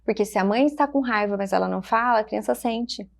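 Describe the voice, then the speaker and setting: Brazilian lady, kinda high voice, soft reflective podcast talk in little phrases. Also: fast talker, gravelly. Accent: Brazilian Portuguese. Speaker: child development specialist guest. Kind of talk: podcast conversation.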